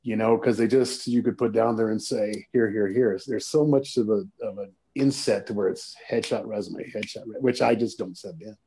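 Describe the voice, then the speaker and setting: A man's voice: fairly low pitch, normal speed, gravelly, few pauses, warm tone. A man who works as an actor, talking as a guest in a casual chat and telling emphatic anecdotes.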